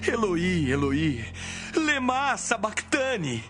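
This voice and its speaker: Bible drama: man as a suffering crucified prophet, high, agonisingly slow lament over music. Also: sing-song, full character voice. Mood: anguished. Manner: loud, drawn-out lament. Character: anguished crucified Jesus crying out to God. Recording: music behind the voice.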